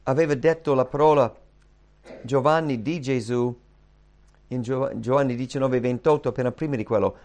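A man preaching a sermon, reading scripture and swinging from hushed, quiet passages to loud, emphatic cries. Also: medium pitch, normal speed.

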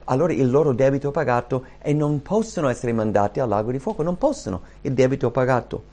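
A man of middle pitch preaching a sermon. He teaches in an earnest, explanatory way and leans into key phrases with sudden emphasis. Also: expressive, quick pace, mellow.

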